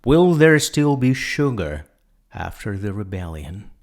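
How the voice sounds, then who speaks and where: A man's voice: on the low side, very animated, measured pace. A man voicing a vain, silly white mare who asks naive, pleading questions in a storybook reading. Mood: naive, hopeful.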